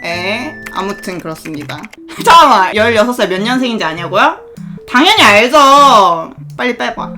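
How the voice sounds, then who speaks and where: A young woman chatting on a livestream in a cute anime streamer manner, playful, giggly and animated. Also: fairly high pitch, moderate pace. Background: music.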